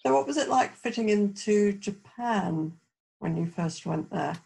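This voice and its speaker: A woman's voice: mid-range voice, lively intonation, unhurried, vocal fry, darkish tone, breathy edge. A woman hosting a podcast, asking questions and giving brief, encouraging replies to her guest. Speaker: podcast host. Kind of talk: interviewing a guest.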